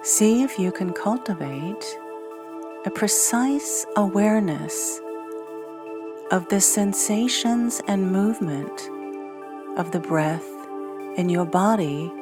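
A woman guiding a scripted meditation in a gentle, soothing, soft-spoken way, leaving long pauses between short phrases. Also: mid-range voice, expressive. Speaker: meditation guide. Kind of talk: scripted guided meditation narration. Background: new-age music.

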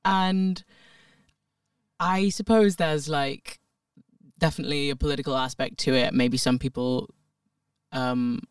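A man's voice: medium pitch, fairly even intonation, unhurried, smooth, no room sound, far from the mic. A man, a guest actor, chatting casually and upbeat on a podcast with frequent laughs.

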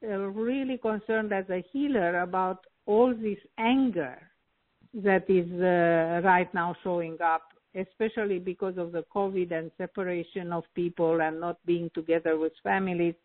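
A woman from Romania, a healer, talking slowly with many hesitant pauses in an interview. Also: lowish voice. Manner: slow, hesitant, frequent filler pauses. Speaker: healer and guest. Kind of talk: interview conversation. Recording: tinny phone-like line.

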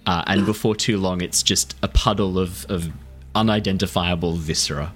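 A man's voice: deep voice, steady tone, normal speed, soft background music. A man acting as game master, giving vivid descriptive narration mixed with casual chat.

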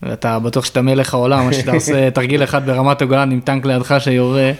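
A man hosting an interview in a relaxed, chatty way, sharing his own memories. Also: medium pitch. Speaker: interviewer, host. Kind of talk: casual conversation.

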